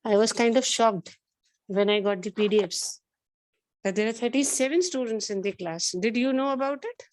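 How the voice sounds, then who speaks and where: A woman with a South Asian accent and a slightly high voice speaks as a teacher to her class. She is earnest and maternal as she admonishes, often repeating her points and mixing Hindi phrases into her English. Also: normal speed, darkish tone, poor audio. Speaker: biology teacher addressing an online or classroom class. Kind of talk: lecturing and counselling students.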